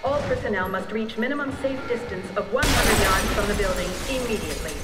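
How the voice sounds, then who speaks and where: A woman voicing an automated facility announcement over a loudspeaker, formal and repetitive. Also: mid-range voice, brisk. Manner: flat, formal, repetitive warnings. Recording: echoey, reverberant PA over music.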